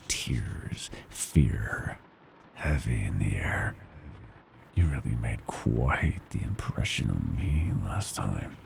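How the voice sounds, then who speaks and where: Horror ASMR monster: male, predatory, mockingly tender, heavy gravelly creak, swooping intonation that slips into whispers. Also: darkish tone, exaggerated voice. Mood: hungry, savoring. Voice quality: very deep, gravelly creaking growl. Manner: menacing, slow and savoring, mockingly tender, slipping into whispers. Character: gleeful predatory male monster from under the bed.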